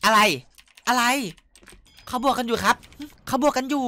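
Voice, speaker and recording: A young man giving excitable, loud gameplay commentary, cursing and yelling at opponents, his throat sore from shouting. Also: extremely high pitch, normal speed. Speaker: gaming YouTuber. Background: game music.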